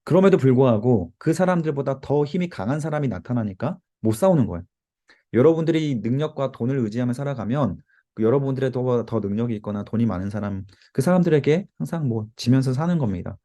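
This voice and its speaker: A man's voice: mid-range voice, lively intonation, quick pace, mellow. A man teaching a Bible study to a youth group, explaining and exhorting while giving note-taking cues.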